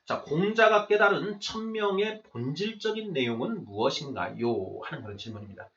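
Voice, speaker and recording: A man's voice: a little high, fairly bright tone. A man giving an explanatory lecture in a question-and-answer format, stressing and repeating key phrases in a didactic way. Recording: distant mic, dull muffled sound.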